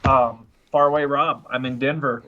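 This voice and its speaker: A man's voice: mid-range voice, steady tone, moderate pace. A man joking casually as a tabletop game player joining remotely, on slightly lo-fi audio.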